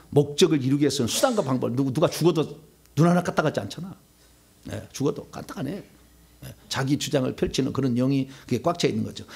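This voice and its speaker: Animated husky Korean pastor preaching. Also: male voice, mid-range voice. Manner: animated, swings from loud outbursts to hushed asides. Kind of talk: sermon.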